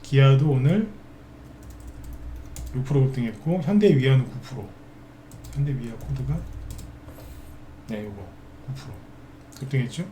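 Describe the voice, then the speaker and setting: Mellow-voiced guy doing live stock commentary, chatty, keeps asking "right?", echoey room, faint hum. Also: medium pitch, a little slow, pauses often. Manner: chatty, asks tag questions and answers himself. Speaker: stock market broadcaster.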